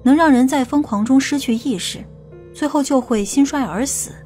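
Woman playing a high-voiced, stern female investigator. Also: normal speed, a little mellow, soft background music, close to an everyday voice. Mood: knowing. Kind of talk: audiobook character dialogue.

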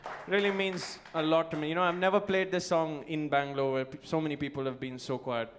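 A man's voice: a little high, level tone, a little fast, noisy background. A male singer-songwriter chatting between songs at a live festival show, effusive and thankful, coaxing the crowd to sing along, his voice worn from singing. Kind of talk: live stage banter with audience. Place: live music festival stage. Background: guitar playing.

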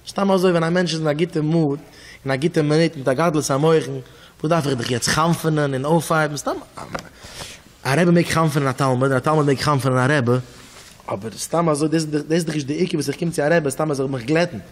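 A man with a Hasidic Yiddish accent preaches a storytelling sermon in a fairly high voice. His delivery swings between soft and loud, and he repeats words as he goes. His voice rings out with a long reverb in a large hall. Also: fairly even intonation, quick pace. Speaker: rabbi giving a talk.

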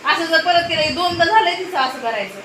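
A woman vlogger chatting at home, telling an animated story and scolding in a casual family vlog. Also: very high-pitched, brisk. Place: home indoors. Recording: echoey home room with noise.

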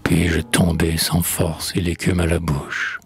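A man voicing a guilt-stricken mythic hero who laments slowly in a deep, low voice, his words weighed down with grief. Faint music plays softly behind him. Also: monotone, gravelly. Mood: haunted. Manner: solemn, lamenting recitation.

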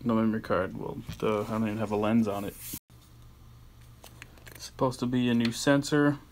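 A man's voice: on the low side, normal speed, darkish tone, slight background noise. A man talking casually and offhandedly in a home vlog, recorded on a handheld cell phone, with a little grumbling now and then. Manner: chatty and offhand, with mild grumbling. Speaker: camera vlogger.

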